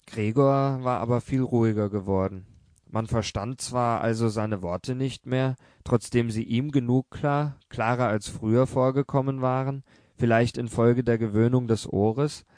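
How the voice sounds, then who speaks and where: A male narrator reads a literary audiobook in a measured, even manner. His voice sits in an ordinary middle register. The recording is close and completely dry. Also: mid-range voice, dry recording.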